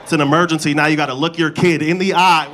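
A man's voice: fairly high pitch, steady tone, fast, a bit bright. A man in his thirties doing a loose, profane stand-up set on a club stage, holding a handheld mic, with the crowd laughing. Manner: loose, profane, slangy storytelling. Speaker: stand-up comedian. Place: comedy club stage before a live audience. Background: audience laughter.

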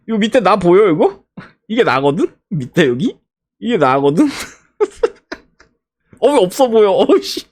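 A man streamer giving a casual vlog recap over his photos, animated and laughing often, piling up fillers and exclamations. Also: high-pitched.

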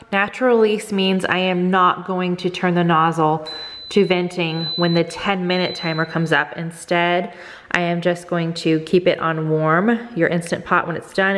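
Recorded with a big-room sound, this cooking vlogger is a middle-aged Texan whose voice leans low. She chats her way through a casual cook-along in her home kitchen, step by step, with plenty of "go ahead."

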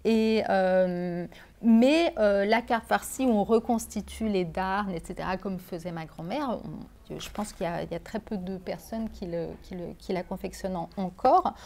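A woman's voice: medium pitch, normal speed, a little mellow. A middle-aged woman author speaking at a bookshop reading, hesitant, with many fillers and restarts. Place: bookshop reading event, indoors.

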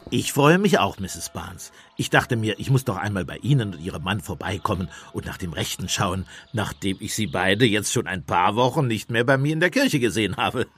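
Lively, husky fatherly priest. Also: fairly low pitch, normal speed, hardly any pauses. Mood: soothing, kindly. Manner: soothing, kindly, mildly sly. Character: gentle, fatherly village priest, quietly persistent. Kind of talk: German radio play acting.

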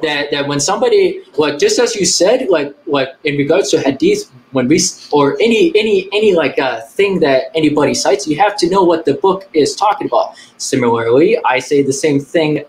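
Young guy on a webcam call, kinda high voice, lots of "like" and restarts, bit of faint noise. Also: expressive, a little mellow, rough recording. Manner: halting, full of "like" and repeated words. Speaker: debate guest. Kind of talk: casual debate on a video call. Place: small room indoors.

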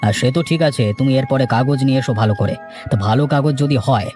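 A man playing a shrewd, seasoned land broker in a cartoon, giving measured, matter-of-fact advice and cautions. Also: mid-range voice, a little mellow, faint music behind, natural voice. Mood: businesslike, cautioning. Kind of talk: dramatized cartoon dialogue.

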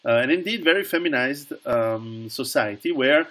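A man's voice: mid-range voice, animated, normal speed, fairly bright tone. A middle-aged man speaking as a guest author over a video call, earnest, often restarting and repeating words.

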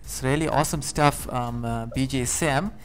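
A man's voice: mid-range voice, moderate pace. A man hosting a radio interview, putting questions to his guest.

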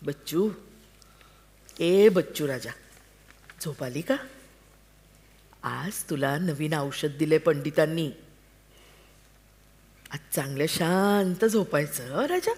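A woman reading the part of an anxious, devoted wife and mother in a staged play reading, coaxing and pleading in a slow way. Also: low voice, animated, darkish tone, full character voice. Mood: tender. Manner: pleading, coaxing, tender with a child.

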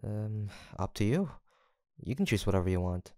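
A man playing a gentle, teasing young college roommate in an intimate audio roleplay, with a soft-spoken, hesitant manner. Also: fairly low pitch, sing-song, normal speed, no echo, clean studio sound. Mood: gentle, tender. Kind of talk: intimate boyfriend-style roleplay acting, one-sided conversation.

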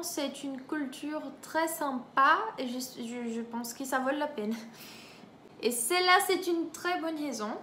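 Brief: young woman, high voice, chatty teacher tone, echoey room. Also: fairly bright tone, a little hiss or hum. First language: Portuguese. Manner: chatty, laughs often, reads from a list and comments. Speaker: language teacher, YouTuber. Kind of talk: casual teaching monologue.

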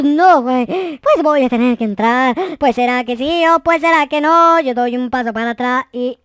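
A man voicing a silly, childish, excitable noob boy from a Minecraft roleplay, with goofy, exaggerated delivery. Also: very high voice, no echo, full character voice. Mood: alarmed. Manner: exaggerated, goofy, dramatic, drawn-out exclamations. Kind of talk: roleplay gameplay commentary.

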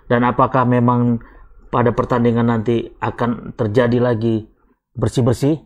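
A man's voice: medium pitch, level tone, moderate pace. A man hosting a casual football chat, asking his guests questions and prompting them for answers. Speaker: show host.

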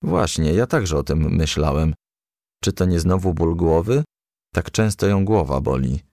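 A man voicing a calm, thoughtful, concerned adult male firefly neighbour in a children's storybook. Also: sits low, a little slow, no room sound, studio quality, pitched below the performer's own voice. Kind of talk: children's storybook character reading.

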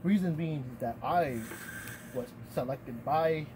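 A game master voicing an aloof male talking black cat messenger with a lowered, mock-solemn voice. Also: measured pace, noisy background, close to an everyday voice.

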